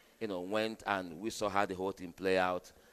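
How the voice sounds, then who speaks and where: A man speaks very fast with a Nigerian accent. His tone is passionate. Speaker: football journalist. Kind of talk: radio interview. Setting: brew pub.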